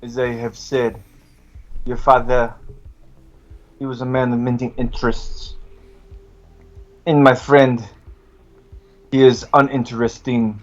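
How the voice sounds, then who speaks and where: A man playing a courtly adventurer in a tabletop game, questioning someone in stilted formal phrases with deliberate pauses. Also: mid-range voice, level tone, close to an everyday voice. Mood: probing, formal. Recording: dull audio, music behind.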